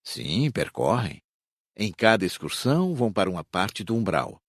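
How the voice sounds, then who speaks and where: A Brazilian man playing a patient spirit teacher in an audiobook, explaining in a measured, didactic way. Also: low-pitched, very animated, dry recording, clean studio sound, exaggerated voice. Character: patient male spirit teacher instructing his students. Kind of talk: audiobook dramatized reading.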